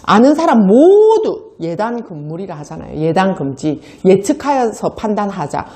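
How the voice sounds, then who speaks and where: A woman's voice: mid-range voice, sing-song, normal speed, mellow. A middle-aged woman, giving a motivational seminar talk, telling stories animatedly and acting out quoted voices with frequent laughs. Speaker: sales seminar speaker.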